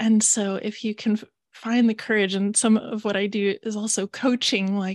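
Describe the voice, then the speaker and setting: Soft-spoken woman at a fairly high pitch and fairly slow pace, dry and close with no echo, against a quiet background. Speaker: music industry story consultant. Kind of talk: casual interview chat.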